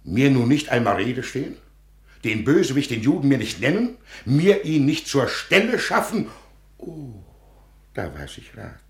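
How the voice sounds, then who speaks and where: An actor playing a pompous, zealous old Christian patriarch with preaching emphasis in a 1950s German radio play. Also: male voice, medium pitch, big pitch swings, measured pace. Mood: outraged. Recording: echoey 1950s radio studio recording.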